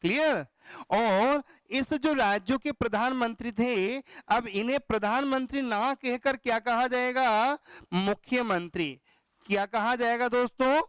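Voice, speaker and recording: A man's voice: very high voice, measured pace, a bit bright, smooth, dry recording. A male teacher giving an exam-prep lecture, asking questions and answering them himself in a call-and-response rhythm. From Rajasthan, India. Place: classroom or studio.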